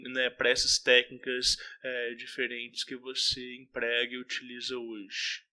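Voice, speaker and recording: A woman's voice: rumbling low, monotone, measured pace, bright, forceful tone. A woman hosting a podcast, asking interview questions and giving brief backchannel replies.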